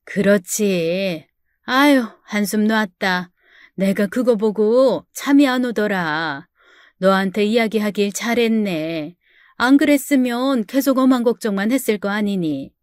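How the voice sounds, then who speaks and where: A woman voicing a worried older mother who speaks slowly and gently, fussing over her daughter. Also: medium pitch, animated, no room sound, studio quality, natural voice. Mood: relieved. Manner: slow, relieved, motherly.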